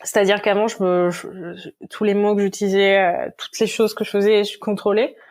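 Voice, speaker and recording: A young woman talking as a guest on a podcast, relaxed and chatty, with many fillers and sighs. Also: mid-range voice, brisk. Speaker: guest illustrator. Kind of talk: casual interview chat.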